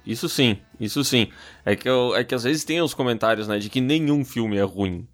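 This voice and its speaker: Teasing man with a middle-pitched voice. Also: normal speed. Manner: teasing, ironic, reads listener messages aloud. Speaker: podcast co-host. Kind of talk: casual podcast chat.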